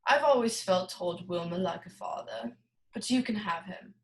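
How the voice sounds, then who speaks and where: A woman's voice: lowish voice, animated, moderate pace. A woman playing a genteel, scheming male crime boss with pompous, formal, theatrical speech in a noir radio play. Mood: suave, menacing.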